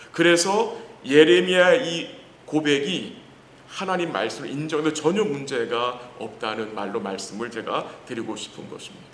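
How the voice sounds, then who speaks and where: Preaching at a midweek church service, this pastor has a medium-pitched, fairly bright voice. Rhetorical questions to the congregation get his own answers, and he reads scripture slowly and deliberately. The sanctuary sounds roomy, with faint noise in the background.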